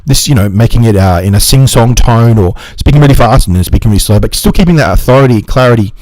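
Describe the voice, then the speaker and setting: A man's voice: mid-range voice, animated, a little mellow, dry recording, poor audio. A man hosting a book review channel, talking to the camera in an earnest way and often restarting his sentences. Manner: quick and earnest, with frequent restarts. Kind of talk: casual talk to camera.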